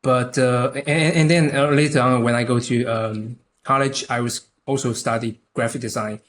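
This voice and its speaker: A young man from Taiwan, a native Chinese speaker with a Taiwanese accent, chatting haltingly as a podcast guest with many restarts. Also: medium pitch, steady tone, slight background noise. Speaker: podcast guest, concept artist. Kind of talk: casual interview chat.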